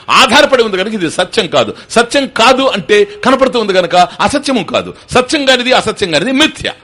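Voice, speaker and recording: An older man, a spiritual teacher, gives a Vedanta discourse to an audience in a lively, bright voice that is a little high and husky. He explains things, puts questions to his listeners, and mixes in English terms.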